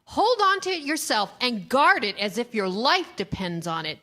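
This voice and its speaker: A woman playing an imperious, impatient female studio boss in a staged comedy reading, with a sharp, commanding manner. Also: on the high side, very animated, normal speed.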